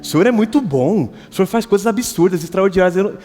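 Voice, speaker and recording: A man voicing an eager, excited young boy with a high, pleading voice. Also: quick pace. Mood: earnest. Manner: breathless, pleading, high and loud. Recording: reverberant church hall, faint guitar.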